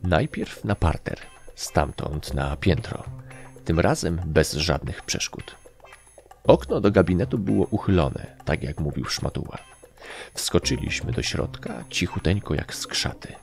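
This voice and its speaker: A man reading an adventure story aloud as an audiobook narrator, telling it lively and raising his voice for the characters. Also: deep voice, unhurried, creaky, faint music behind.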